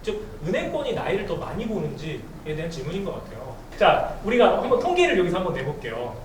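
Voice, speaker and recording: Lively high-voiced male host. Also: fast. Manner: upbeat, reads listener questions aloud. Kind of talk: hosting a talk concert. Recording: echoey event hall, distant mic, noisy.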